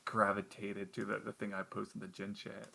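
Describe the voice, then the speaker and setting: Stammering bright-voiced young man. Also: on the low side, level tone, moderate pace, gravelly, soft background music. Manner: stammering, restarts often, laughs at himself. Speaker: player. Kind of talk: casual chat between players.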